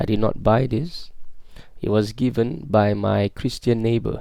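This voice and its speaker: A man with a non-native accent and a dark, mellow tone talks at a fairly slow pace. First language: not Arabic. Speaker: religious book reviewer, video creator. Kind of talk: casual product review to camera. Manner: hesitant, many fillers.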